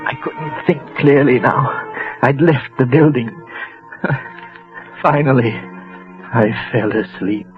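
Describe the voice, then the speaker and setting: An actor playing a frightened clerk who narrates his own crime in a tense, halting first person. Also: mid-range voice. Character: anxious middle-aged male clerk narrating his crime. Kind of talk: 1940s radio acting. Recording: dull old radio broadcast with music.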